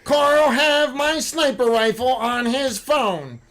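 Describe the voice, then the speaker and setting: A man voicing a Czech special operations man who asks a question in broken English, with a put-on Czech accent and a high voice. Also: takes it slowly, fairly bright tone, full character voice, poor audio. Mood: earnest.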